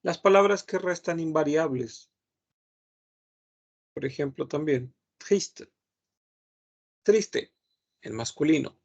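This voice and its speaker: Man, patient teacher, slow, husky gravelly voice, repeats words, online lesson. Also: on the high side, highs cut off. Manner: patient, repeats words several times, thinks aloud with hums. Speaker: French teacher.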